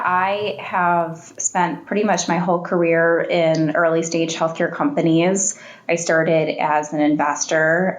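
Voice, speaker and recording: Female CEO guest, low voice, slightly hoarse, fluent and businesslike, recorded in an echoey room. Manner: fluent, businesslike, laughs easily. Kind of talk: podcast interview answers.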